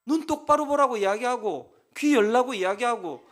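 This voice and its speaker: A man preaching a Sunday sermon as pastor, lively and emphatic, at times shouting as he acts out counseling talks. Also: very high voice, moderate pace.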